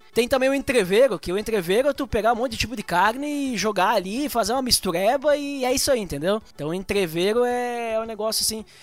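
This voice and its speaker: A man with a southern Brazilian accent races along at a very fast pace, high in pitch, with ordinary pitch variation and hardly any pauses. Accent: gaúcho Brazilian Portuguese. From southern Brazil, Rio Grande do Sul. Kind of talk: casual chat.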